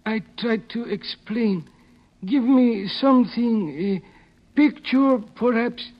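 An actor in a 1950s radio drama playing a frightened, servile foreign henchman who speaks deferential, halting broken English on an old recording. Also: very high voice, lo-fi sound, exaggerated voice. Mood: deferential, explaining.

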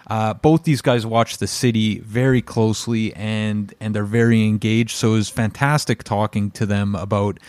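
A man co-hosts a podcast. His voice sits a little low, and the recording is dry, with hardly any room around it. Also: level tone, moderate pace, hardly any pauses, darkish tone, clean tone, dry recording. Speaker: podcast co-host. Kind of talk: podcast hosting, sponsor reads and chat.

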